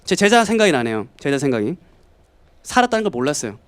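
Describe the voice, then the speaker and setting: Animated high-voiced man lecturing. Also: fast talker, smooth. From South Korea. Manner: animated, acts out students and family in quoted voices. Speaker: English lecturer. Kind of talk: lively lecture to students.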